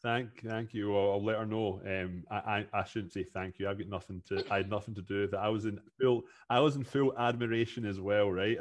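A Scottish man in his thirties, a podcast guest talking casually and restarting his sentences often. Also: fairly low pitch. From Scotland. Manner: chatty, repeats words when starting sentences. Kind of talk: casual interview chat.

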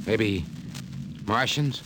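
A man's voice: on the low side, drawn-out words. An American man playing an eager rocket crewman in a 1950s radio drama. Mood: casual. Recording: very noisy old radio recording.

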